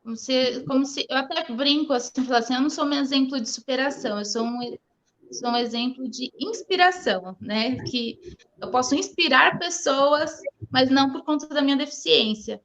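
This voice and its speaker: A woman with a Brazilian accent speaking as an interview guest, conversational and halting, often stumbling over her words. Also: high voice, fairly bright tone, a little hiss or hum. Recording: dull, lo-fi online audio.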